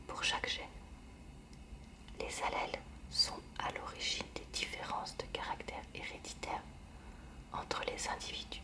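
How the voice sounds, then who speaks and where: Recorded from afar, this ASMR clip has a woman reading a textbook aloud in a quiet library whisper, interrupted now and then by short casual comments.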